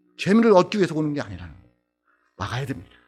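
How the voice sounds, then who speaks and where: Over music in the background, a man with a fairly high pitch makes very wide pitch swings. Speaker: pastor. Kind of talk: sermon.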